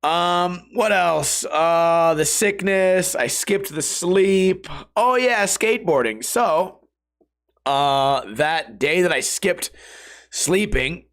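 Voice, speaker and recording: A young American man hosts his podcast while sick, his voice partly gone, hoarse and rough. He rambles casually from topic to topic, full of slang and swearing, speaking slowly in a high, slightly bright voice with lively intonation.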